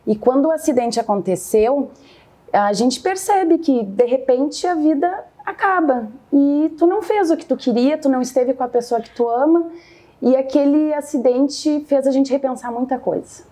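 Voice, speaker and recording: Female, middle-aged, southern Brazilian accent, slightly high pitch, warm rounded tone, conversational interview testimonial. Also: moderate pace. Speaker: interview guest.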